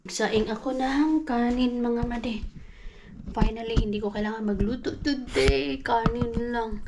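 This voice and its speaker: A fairly high-voiced woman from the Philippines chats casually to the camera in a family kitchen. She talks in an easygoing home-vlog way and turns sing-song when she speaks to her toddler. The home recording is noisy, with clicks. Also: fairly even intonation, unhurried. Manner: chatty, switches to sing-song baby talk with her toddler. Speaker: vlogger mom.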